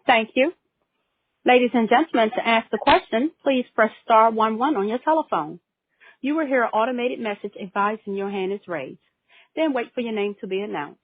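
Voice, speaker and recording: Husky female operator on a phone line. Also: fairly high pitch, normal speed, no echo. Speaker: conference call operator. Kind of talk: formal scripted call announcements. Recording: narrow tinny phone line.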